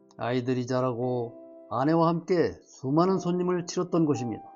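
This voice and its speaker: Speaking at a moderate pace with ordinary pitch variation, a man with a fairly high voice talks over music in the background. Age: 70s. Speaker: political commentary YouTuber. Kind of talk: reading a politician's written words aloud.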